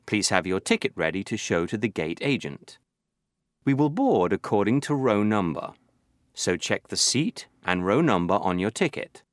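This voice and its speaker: A man's voice: on the low side, sing-song, normal speed, no room sound, clean studio sound. A man playing an airline gate agent, giving a formal, scripted airport announcement to passengers. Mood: formal, instructive. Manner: formal, clearly addressing passengers.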